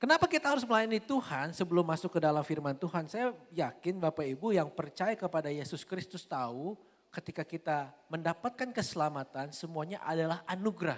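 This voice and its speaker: A man's high-pitched voice with lively intonation at a fairly quick pace, with hardly any pauses. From Indonesia, Bandung (West Java). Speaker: pastor. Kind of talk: sermon.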